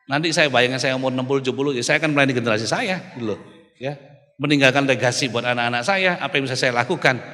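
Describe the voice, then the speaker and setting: A male pastor preaching an animated sermon, often calling out to the congregation. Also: mid-range voice, racing. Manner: animated preaching, keeps calling the audience "saudaraku". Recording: reverberant hall.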